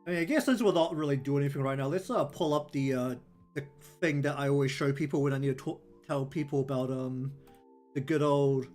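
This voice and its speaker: A man's voice: medium pitch, brisk, a little mellow. A man with a New Zealand accent chatting casually on his livestream, rambling with lots of ums and likes. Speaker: streamer and artist. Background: faint lofi music.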